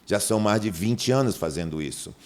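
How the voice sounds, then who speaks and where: Speaking a little fast in a fairly low voice, a middle-aged man from Manaus, Brazil, who is a pastor, shares stories during a podcast interview. He animates them by acting out the dialogue, raising his voice.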